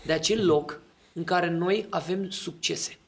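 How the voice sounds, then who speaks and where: A man in casual podcast talk, explaining his ideas and often checking that the listener agrees. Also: sits high.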